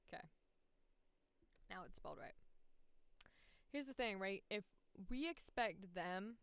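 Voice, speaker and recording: A woman's voice: mid-range voice, fairly bright tone, clean tone, no echo. A woman chatting casually and swearing freely as she talks herself through her work on a livestream. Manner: sweary, exclamatory, self-narrating. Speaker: voice actor livestreaming. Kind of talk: casual livestream chat while working.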